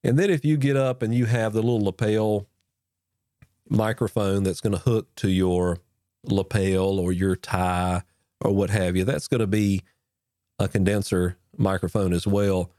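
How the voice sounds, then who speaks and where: A man with a congested, nasal voice hosts his own instructional podcast, sitting right up on a broadcast microphone. His voice is low and set in a dry, dead room. He talks in an earnest, encouraging way, with plenty of casual fillers. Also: steady tone, unhurried, dark tone, no echo. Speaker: pastor and podcast host. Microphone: dynamic broadcast mic, close.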